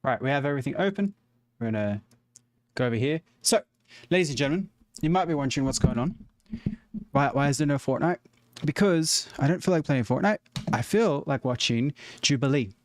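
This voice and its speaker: Brief: male streamer, mid-pitched voice, jokey chatty reaction commentary, dry close desk mic. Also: animated, brisk, no echo. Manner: joking, chatty, talks to viewers.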